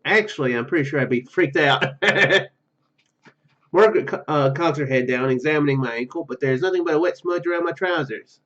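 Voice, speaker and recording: A man with a somewhat high voice plays a story game on video. He reads the narration aloud with stumbles and casual asides. His sound is a bit dull and lo-fi. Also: a bit bright. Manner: halting, stumbling over words while reading. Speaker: gaming YouTuber. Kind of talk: reading visual novel narration aloud with casual commentary.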